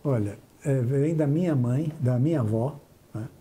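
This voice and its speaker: Older man with a very dark voice reminiscing. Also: mid-range voice, measured pace. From southern Brazil. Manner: reflective, restarts and trails off while remembering. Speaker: interview guest, businessman. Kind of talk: recalling his life in an interview.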